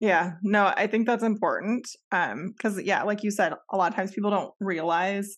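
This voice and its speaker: A woman speaks in a plain, everyday voice at a medium pitch and moderate pace, her intonation fairly even and her loudness very even. The background is quiet. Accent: American. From Kansas, US Midwest. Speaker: podcast host. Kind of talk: interview conversation.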